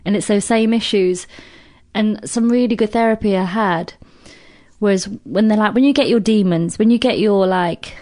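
A British woman in her thirties, a comedian speaking candidly in a podcast conversation, blunt and profane, with quick self-mocking asides. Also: medium pitch, darkish tone. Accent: British English. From Britain. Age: 30s. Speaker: comedian guest.

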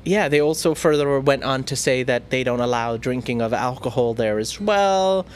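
A man's voice: mid-range voice, moderate pace, a little hiss or hum. A man hosting a casual news chat, talking in a playful, teasing way with plenty of fillers. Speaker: news show host.

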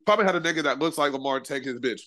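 A man's voice: mid-range voice, rapid-fire, pushed and bright. A man with an African American accent in casual, slangy and profane sports banter, speaking emphatically as a podcast co-host.

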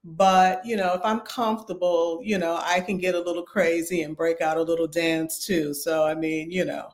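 A woman with a slightly raspy voice, a pastor and relationship coach, talking as a podcast guest in a calm, measured way. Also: fairly low pitch.

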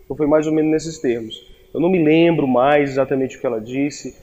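A young Brazilian man tells a personal story to a crowd with jokes and plenty of self-mockery. His voice sits a bit higher than most men's. He speaks in a lively, animated way. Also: a little fast, highs cut off. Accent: Brazilian Portuguese. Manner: joking, self-mocking, animated.

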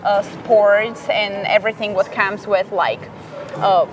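A woman's voice: medium pitch, fairly even intonation, takes it slowly, poor audio. Slovak-accented woman chatting over music. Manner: chatty, non-native phrasing, searches for words. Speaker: guest. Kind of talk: casual interview chat. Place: hotel lounge with music playing.

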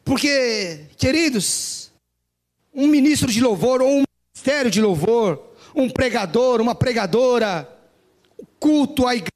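A man's voice: very high voice, lively intonation, a little slow. A man preaching a sermon, emphatic, stretching out stressed words.

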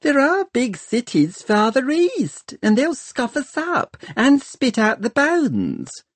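A man voicing an anxious household servant who mutters in a much higher voice. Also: wildly swooping pitch, slow, no room sound, full character voice. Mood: worried. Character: worried grumbling household servant.

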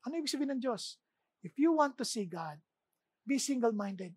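A woman preaching a sermon, telling the story with lively, animated delivery and slipping English phrases into her talk. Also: fairly high pitch, moderate pace, breathy edge, no echo.

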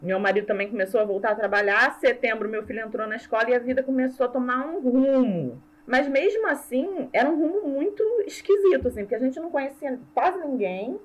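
A woman from Brazil with a Brazilian Portuguese accent, a language teacher chatting as an interview guest, self-mocking and quick to laugh. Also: high-pitched, expressive, poor audio. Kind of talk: casual conversational interview.

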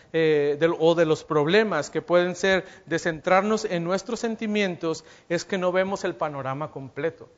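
A man's voice: on the high side, muffled recording. A man preaching a sermon, speaking straight to his listeners with rhetorical questions and acting out the lines he quotes.

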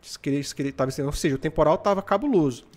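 A Brazilian man in his twenties hosting a live stream, telling stories in casual, slangy, animated motivational chat. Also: a little high, very fast. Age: 20s.

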